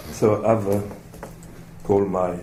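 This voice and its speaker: A man with a French accent and a fairly low pitch, at a fairly slow pace with fairly even intonation and audible room echo. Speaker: academic panelist. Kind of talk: conference talk. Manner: halting, many fillers.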